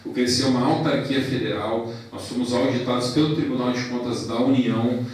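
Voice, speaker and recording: A man in his forties, president of a professional council, giving a formal ceremony speech into a handheld mic in a large hall. He speaks in a measured way, listing thanks and points with pauses. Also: medium pitch, steady tone. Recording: echoey hall from a distance.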